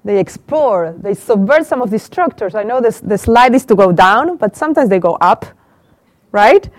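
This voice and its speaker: A woman's voice: mid-range voice, animated, moderate pace, dry recording. A middle-aged woman from Argentina with an Argentine Spanish accent, giving an interactive lecture to a small group and asking the audience questions. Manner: asks the audience questions and repeats their answers. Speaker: professor giving a talk. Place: small room with a live audience. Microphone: handheld mic.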